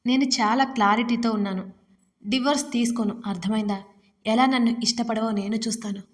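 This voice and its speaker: A woman's voice: fairly high pitch, fairly even intonation, a little fast, close to an everyday voice. A woman voicing a tearful young wife who pleads emotionally in an audio story. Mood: pleading.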